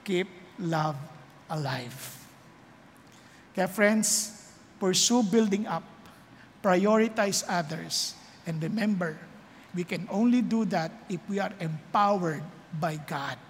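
A woman preacher giving a sermon, telling a story with animated swings between loud exclamations and hushed tones. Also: medium pitch, a little hiss or hum. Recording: long hall reverb.

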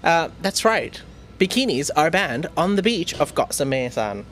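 A man's voice: fairly high pitch, big pitch swings, normal speed, a bit bright, slight background noise. A man hosting a casual news chat, talking in a playful, teasing way with plenty of fillers. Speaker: news show host.

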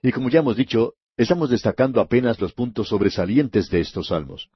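A man teaching the Bible on the radio, measured and emphatic, slowing down to stress key words. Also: mid-range voice, expressive, husky, dry recording. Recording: dull, slightly lo-fi broadcast audio.

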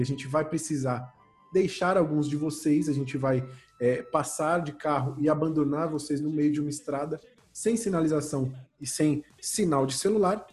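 A man's voice: fairly high pitch, a little mellow. A man hosting a comedy podcast, handing out mock-serious, ironic praise. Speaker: podcast host.

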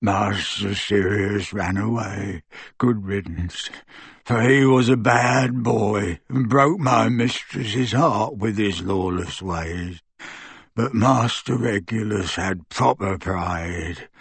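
Kreacher, a man voicing a croaking old house-elf. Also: fairly low pitch, no room sound, voice pushed down, full character voice. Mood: mournful. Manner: slow, pleading, sobbing in distress. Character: old servile male house-elf, wretched and bitter. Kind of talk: audiobook character voice.

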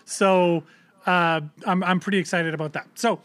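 A man's voice: high voice, fairly even intonation, normal speed, a bit bright. A man in his thirties co-hosting a parenting podcast in casual, rambling chat, with loose swearing and lots of fillers. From Canada. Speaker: podcast co-host.

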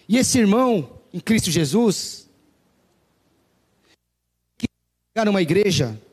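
A man's voice: high-pitched, big pitch swings, takes it slowly, husky. A man preaching a sermon, emphatic, stretching out stressed words.

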